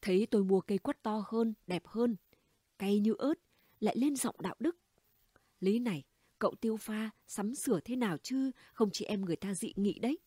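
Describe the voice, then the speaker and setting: Gossipy middle-aged neighbor lady, read by a woman, blunt and chatty, soft breathy voice. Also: mid-range voice, normal speed, dry recording, clean studio sound, natural voice. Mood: gossiping. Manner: chatty, blunt, conspiratorial storytelling. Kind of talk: audiobook character dialogue.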